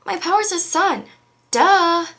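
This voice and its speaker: A woman voicing a perky, sassy girl with sun powers in an amateur animated-series audition. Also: very high voice, takes it slowly, pitched above the performer's own voice, full character voice.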